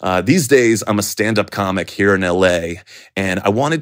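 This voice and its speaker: An unremarkable speaking voice from a man, fairly low in pitch, on a very clean recording with a silent background. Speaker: stand-up comic caller. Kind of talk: listener question.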